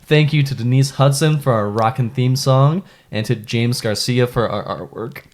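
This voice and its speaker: A man's voice: medium pitch, animated, measured pace. A man co-hosting a comedy movie podcast, chatting casually and reading the show's outro with frequent laughs. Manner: laughs often, reads outro credits. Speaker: podcast co-host.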